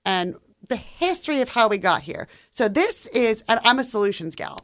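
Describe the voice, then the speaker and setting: A woman's voice: a little high, big pitch swings, normal speed, no room sound. A woman co-hosting a podcast, talking through her reading in an earnest, explanatory way. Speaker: podcast co-host. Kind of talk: casual book chat.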